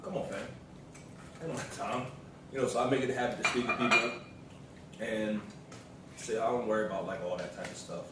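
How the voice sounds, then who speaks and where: Casual American male vlog co-host, slangy storyteller, mid pitch, heavily reverberant room with clear background noise. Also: steady tone, fairly quick, pauses often. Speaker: vlog co-host, the vlogger's partner. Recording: roomy echo, distant mic, noisy background.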